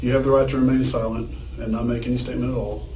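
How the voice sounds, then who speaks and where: A man talks at a very fast pace. Light background noise and audible room echo can be heard. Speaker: Texas Ranger investigator. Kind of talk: police interview questioning. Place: meeting room. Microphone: camera far.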